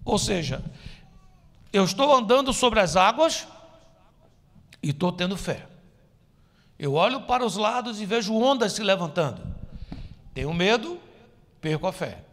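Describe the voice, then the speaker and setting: A man preaching a sermon as pastor, moving between emphatic lines and soft, hushed ones. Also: sits high, big pitch swings, unhurried, long pauses, in a large hall. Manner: emphatic preaching with sudden drops to soft, near-whispered lines. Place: church sanctuary.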